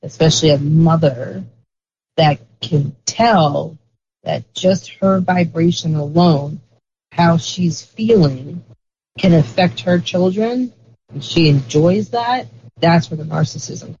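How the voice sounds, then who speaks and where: An interview guest talks through ideas at length, rambling and filling gaps with "like" and "um". The voice sits in a middle pitch. It comes through a dull, lo-fi recording with a faint hiss underneath. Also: slow pace, darkish tone. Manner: rambling, heavy use of "like" fillers. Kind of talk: casual conversational explanation.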